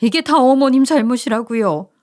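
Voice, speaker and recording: A woman's voice: sits high, expressive, moderate pace, a little mellow. A woman voicing a resentful sister-in-law who blames her mother-in-law in a radio story. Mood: accusing. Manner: accusing, whiny.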